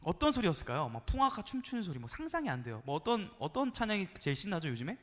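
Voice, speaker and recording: A man preaching a playful, animated sermon to a youth congregation, sometimes acting out voices and calling on the listeners to respond. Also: high voice, racing, big-room sound. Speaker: youth pastor. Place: church sanctuary.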